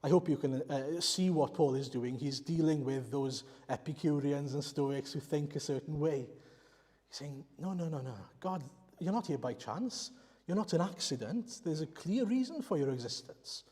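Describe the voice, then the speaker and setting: A Welsh-speaking man from Wales preaches in a church, his voice sitting a little high for a man. He explains earnestly and turns often to rhetorical questions. The sound carries a long reverb from the church hall. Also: moderate pace, darkish tone. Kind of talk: sermon.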